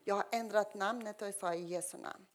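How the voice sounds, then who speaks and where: Middle-aged woman, emotional testimony in simple swedish, mid-pitched voice. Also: steady tone. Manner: earnest, emotional storytelling in simple learner Swedish. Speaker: testimony speaker. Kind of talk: personal testimony.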